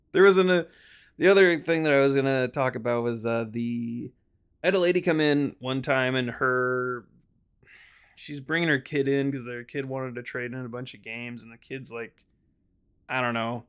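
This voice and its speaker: A man's voice: mid-range voice, clean tone. A man streaming a game and chatting casually, rambling through stories with many restarts and asides. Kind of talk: casual storytelling while gaming.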